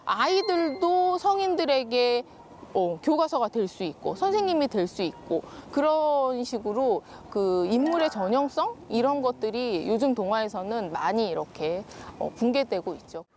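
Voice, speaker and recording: A woman explaining things step by step on a panel show, with drawn-out pauses between phrases. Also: on the high side, very animated, darkish tone, a little hiss or hum. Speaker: guest expert on children's stories.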